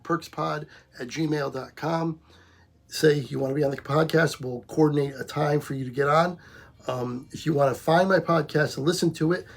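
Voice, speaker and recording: A middle-aged man hosting a music reaction channel, talking casually with lots of ums, hoarse and losing his voice. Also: medium pitch. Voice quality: husky. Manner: relaxed, repetitive, lots of ums.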